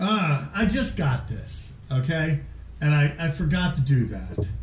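The voice carries vocal fry and moves at a very slow pace. Audible room echo is present. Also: man. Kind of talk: casual tutorial commentary. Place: workshop.

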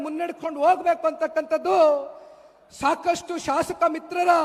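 Over noticeable background noise, a man speaks in a flat monotone at an extremely high pitch. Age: young. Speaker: political party speaker. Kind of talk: political rally speech. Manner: formal oratory.

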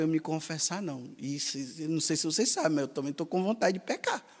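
In an unremarkable speaking voice, a man with a fairly high pitch talks at a fairly quick pace over a quiet background. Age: 50s. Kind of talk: homily. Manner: conversational, informal. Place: church. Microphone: podium.

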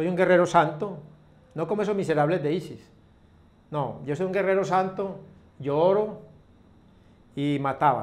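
At a fairly slow pace with long, frequent pauses, a man speaks in a high pitch with ordinary pitch variation. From Colombia. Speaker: former cartel hitman. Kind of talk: interview answer. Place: studio. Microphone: lapel.

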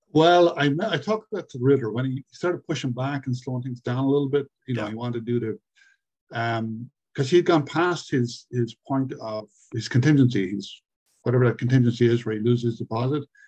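A man talks at a very fast pace, somewhat breathy, with ordinary pitch variation and big swings in loudness. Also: quiet background. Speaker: beginner land investor; land investing coach. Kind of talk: casual chat. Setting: video call. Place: home room. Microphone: webcam.

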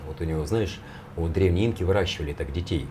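A man speaks at a very fast pace. Light background noise is audible. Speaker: spiritual teacher. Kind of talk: interview. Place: home room.

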